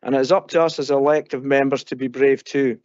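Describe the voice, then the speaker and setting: A man's voice: medium pitch, fairly even intonation, fairly quick, darkish tone, no echo. Man's formal council speech, dull muffled sound. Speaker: elected councillor proposing a motion. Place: council meeting.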